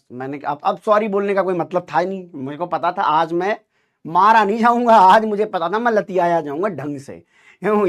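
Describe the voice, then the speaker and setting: A man with a high voice tells an animated story to his class. He acts out the dialogue with lively drama. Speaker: teacher telling a story to students.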